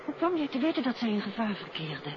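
Inquisitive detective's wife, higher voice, old radio. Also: female voice, big pitch swings, fast talker. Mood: curious. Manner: questioning, playful, direct. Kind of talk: 1950s Dutch radio drama acting. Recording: muffled, noisy 1950s radio recording.

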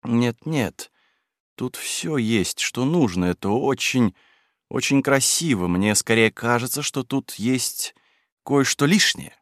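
A man's voice: mid-range voice, lively intonation, slow pace, dry recording. Cheeky boy near fourteen, read by a man, murmuring, bold, dry close voice.

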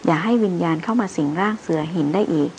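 A woman's voice: fairly low pitch, fast talker, a little mellow, a little hiss or hum, close to an everyday voice, low-quality recording. A woman reading the lines of an old male jungle tracker who is superstitious, earnest and pleading.

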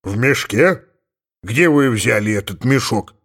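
A gruff middle-aged Cossack father, as a male audiobook reader plays him, grumbling and exclaiming in a mid-range voice. He sounds stubborn and suspicious, forever muttering to himself. The storybook reading keeps him close to the reader's own voice. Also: medium pitch, expressive, measured pace, a bit bright, heavily acted.

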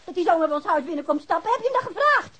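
An actress playing a sharp-tongued, scornful wife, scolding coarsely and combatively in a radio drama. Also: female voice, very high voice, animated, fast. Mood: indignant, furious.

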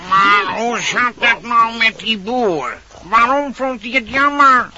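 An actor playing a dim, greedy, curious pig in a radio play, asking questions in a slow-witted way. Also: male voice, extremely high pitch, sharp tone, heavily acted. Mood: reasoning. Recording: muffled, noisy old radio play.

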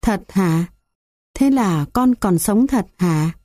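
A woman's voice: mid-range voice, animated, slow, mellow, no echo, clean studio sound. A woman voicing a frail, grieving old village woman who talks in a dazed, pleading way. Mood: disbelieving.

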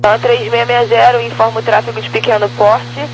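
An air traffic controller speaks in clipped, standard phraseology at a medium pitch. The voice comes through an aviation radio transmission with a faint noisy hum underneath. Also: little pitch movement, moderate pace, highs cut off.

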